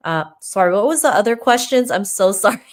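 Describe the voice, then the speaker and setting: Expressive and brisk, her medium-pitched voice carries a casual, motivational tone. She's an author guest on a podcast, a non-native English speaker who was born in the Philippines and now lives in Toronto, Canada.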